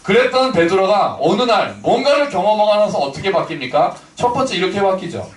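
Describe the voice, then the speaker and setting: A man's voice: high-pitched, very animated, brisk, a little hiss or hum. A man pastor preaching a sermon in a conversational way, acting out quoted people in different voices. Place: church sanctuary. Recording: echoey church hall from far off.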